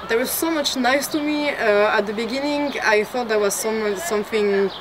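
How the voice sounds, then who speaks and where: Over noticeable background noise, a woman with a French accent speaks at a moderate pace. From France. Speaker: street artist. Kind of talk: interview. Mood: warm, relaxed, animated. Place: street.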